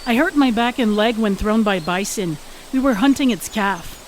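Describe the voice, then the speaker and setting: A woman's voice: on the high side, moderate pace, slight background noise, lightly acted. A woman playing a hungry, injured lone she-wolf in an audio drama, wary but defiant, with terse, pleading delivery. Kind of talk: dramatic audio fiction acting.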